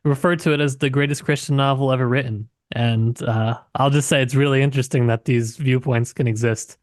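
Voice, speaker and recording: A man's voice: mid-range voice, steady tone, fairly quick, dry recording, clean studio sound. A man co-hosting a podcast, casually discussing literature and tentatively thinking aloud as he goes. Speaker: podcast co-host.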